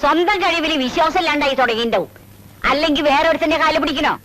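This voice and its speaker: An actress playing a bitter, stubborn mother and astrologer who speaks in a haughty, sharp-tongued manner. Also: sits high, fast talker, a little hiss or hum.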